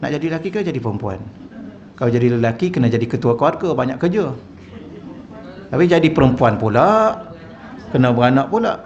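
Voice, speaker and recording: In a mosque hall, a Malaysian Malay-accented religious teacher mixes humor into a casual lecture, often asking the crowd questions over a wireless mic. His medium-pitched voice is expressive, slightly mellow, and a bit quick, broken by frequent pauses. The sound quality is lo-fi.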